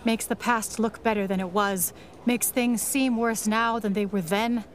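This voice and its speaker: An actress playing a calm, wistful, world-weary woman with dry, reflective delivery in a pulp radio drama. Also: medium pitch, unhurried, a little hiss or hum, natural voice. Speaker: actor in an audio drama.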